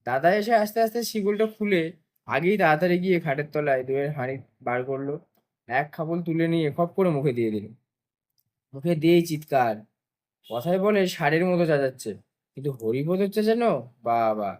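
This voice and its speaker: A man narrating a children's story for a cartoon in an expressive, lively way. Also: fairly high pitch, brisk.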